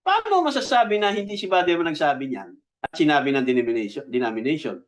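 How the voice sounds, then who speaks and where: Filipino-accented male pastor, conversational sermon delivery, voice a bit high, slows on key words. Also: big pitch swings. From Philippines. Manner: conversational, checks in with the congregation. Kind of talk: Taglish sermon teaching.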